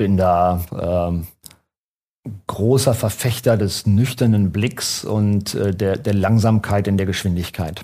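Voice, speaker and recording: Very slowly, a man talks in a fairly low pitch with a dark, mellow tone. His intonation is fairly even, and the recording is very clean with a silent background. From Germany, Hannover. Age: 50s. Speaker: innovation consultant. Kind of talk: interview. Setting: venue in Hannover.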